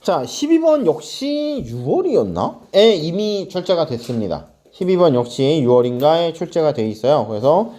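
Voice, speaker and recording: A man in his thirties teaching a recorded English exam-prep lecture in a chatty, storytelling way. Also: on the high side. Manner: chatty storytelling, animated asides to students.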